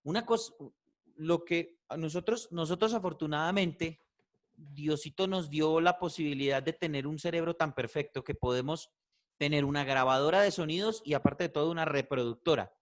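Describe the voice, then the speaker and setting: A man teaching a voice class, animated and repetitive, checking in with "¿cierto?" often. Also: a little high, normal speed. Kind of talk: online class feedback.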